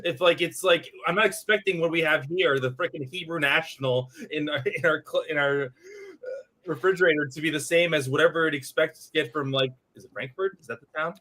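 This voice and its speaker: A young man chats casually on a stream, sarcastic and quick to spin a joke into a bit. His voice sits a little high and sounds bright and forward. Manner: sarcastic, riffs into comic bits. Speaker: co-host of a reading stream. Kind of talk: casual joking chat.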